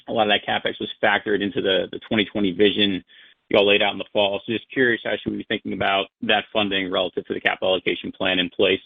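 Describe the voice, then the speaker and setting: A man asks questions as an analyst on a conference call, casual but professional. His voice sits low and has a gravelly creak. It comes through a dry, narrow telephone line. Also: no room sound. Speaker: financial analyst asking questions. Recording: narrow-band phone line.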